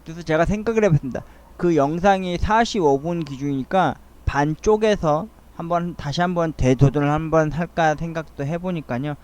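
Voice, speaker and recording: A middle-aged man with a slightly high-set voice talks to himself in an essay-like ramble. He pauses often and sounds earnest and a little wistful, as the host of a solo monologue. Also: darkish tone, smooth. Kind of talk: rambling soliloquy, audio essay.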